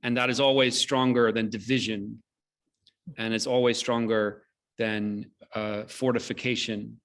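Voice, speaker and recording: A man's voice: on the low side, level tone, measured pace, fairly bright tone. A man moderating a thoughtful discussion over a video call. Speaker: moderator and translator.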